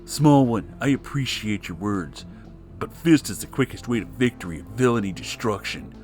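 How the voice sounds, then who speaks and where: A man's voice: on the low side, expressive, moderate pace, darkish tone, soft background music, close to an everyday voice. A man voicing a muscular, righteous cartoon cat hero in a comic story, declaiming with earnest bravado. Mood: gentle, amazed.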